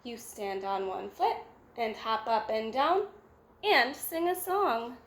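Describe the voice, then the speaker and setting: A woman's voice: a little high, takes it slowly, a bit bright, reverberant, pitched below the performer's own voice. A woman voicing a friend in a storybook who gives step-by-step advice. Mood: advising. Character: helpful friend giving advice.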